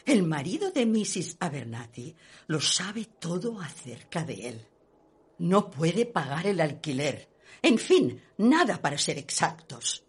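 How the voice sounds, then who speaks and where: A woman's voice: lowish voice, sing-song, slow, breathy edge, heavily acted. An actress playing a snobbish, gossipy society lady in a radio play, speaking in a haughty, emphatic, theatrical way. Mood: scornful gossip. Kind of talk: Spanish radio play acting.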